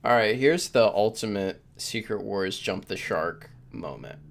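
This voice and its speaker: A man hosting a casual podcast, speaking in a halting, stop-start way. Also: fairly low pitch, animated, gravelly. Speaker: podcast host.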